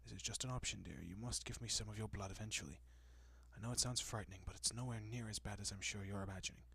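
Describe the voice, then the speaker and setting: A man playing a gentle, courteous, possessive vampire in an intimate audio roleplay, speaking softly and often dropping to a whisper with hushed reassurance. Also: fairly low pitch, quick pace, gravelly, breathy edge, no echo, heavily acted. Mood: coaxing, tender. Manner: hushed, reassuring, politely old-fashioned.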